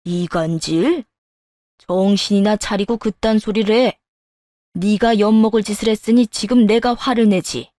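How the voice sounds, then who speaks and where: A stern older father-in-law berates his wife in a dry, close voice, voiced by a woman. He lectures with indignation in a middle pitch, like a scripted storybook drama. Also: measured pace, dark tone, no echo, close to an everyday voice. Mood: furious. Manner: scolding, indignant.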